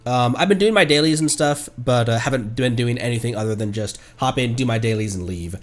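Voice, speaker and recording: A man's voice: medium pitch, fairly quick. Man streaming a game over music. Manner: rambling, thinking aloud. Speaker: livestreamer playing a video game. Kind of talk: casual gameplay commentary. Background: video game music.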